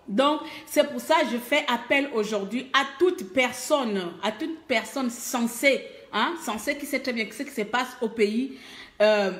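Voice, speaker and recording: A woman from Gabon with a Gabonese French accent calls her compatriots to mobilize during a live stream. Her voice sits a little high, and she speaks emphatically while stumbling over many fillers. The room around her is echoey. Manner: emphatic, hesitant, full of fillers, switches languages. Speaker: activist making a call to mobilize. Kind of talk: live video appeal. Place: abroad, away from home country.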